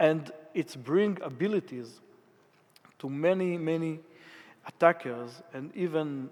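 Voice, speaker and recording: Speaking with a non-native accent, a man talks at a fairly high pitch with ordinary pitch variation. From Israel. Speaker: cybersecurity expert. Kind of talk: conference talk. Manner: halting.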